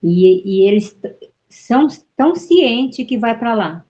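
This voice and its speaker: Middle-aged Brazilian woman, interview guest, lively storyteller, mellow tone, muffled lo-fi sound. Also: a little high, slow pace. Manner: vivid storytelling, acts out quoted voices, repeats words.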